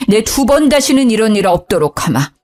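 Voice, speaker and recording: A woman putting on a gruff older father-in-law, blunt and scolding, pitch swinging widely, soft music underneath. An audio storybook figure over 60. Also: very animated, a little fast. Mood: pleading. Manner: scolding bluntly, then coaxing gently.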